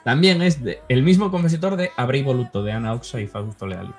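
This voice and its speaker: A man's voice: medium pitch, a little mellow. Man presenting songs in casual chat. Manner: presenting songs, quick remarks. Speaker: podcast co-host.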